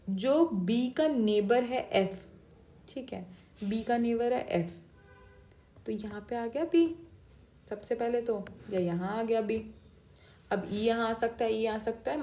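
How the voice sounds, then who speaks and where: A woman teaching an exam-prep class, with a slightly high voice and an unhurried, deliberate pace. She walks through each step, switches between Hindi and English, and keeps checking in with her students. She is recorded in an echoey room. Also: a little mellow. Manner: explains step by step, mixing Hindi and English, checks in with "theek hai". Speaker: reasoning teacher.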